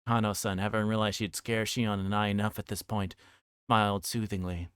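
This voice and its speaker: His voice is on the low side, smooth and a bit bright, with little pitch movement and a moderate pace, recorded clean with no echo and a studio sound. He's streaming a visual novel, dramatically reading its text and chatting casually between passages over game music.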